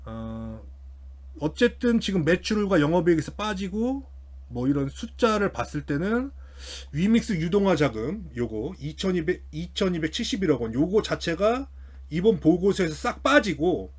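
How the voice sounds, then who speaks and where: A man's voice: sits high, big pitch swings, moderate pace, husky. A man hosting a finance commentary, talking through an analysis unscripted and hesitantly, often repeating and restarting his phrases. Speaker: host of a finance commentary channel.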